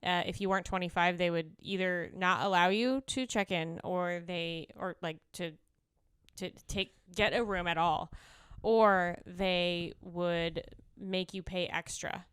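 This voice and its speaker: A woman in her twenties from the United States, chatting casually as a podcast co-host, full of fillers and quick laughs. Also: lowish voice, steady tone, fairly bright tone, clean tone, no echo, studio quality. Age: 20s. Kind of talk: casual chat.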